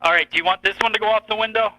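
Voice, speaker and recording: A man's voice: high voice, fairly even intonation, racing, sharp tone, no echo, rough recording. A man hosting a live video podcast, running a call-in game in an upbeat manner. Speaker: host.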